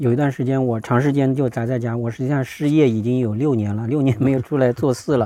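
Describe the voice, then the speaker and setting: A man at a very fast pace, with fairly even intonation and hardly any pauses. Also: medium pitch for a man. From China, Jiangxi (Ruichang). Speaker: novelist. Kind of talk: interview conversation. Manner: hesitant, many fillers.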